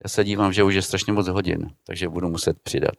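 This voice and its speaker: A man preaching a sermon to a congregation, putting rhetorical questions to his listeners and swinging between loud, emphatic lines and quiet asides. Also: low voice, steady tone, creaky, no room sound.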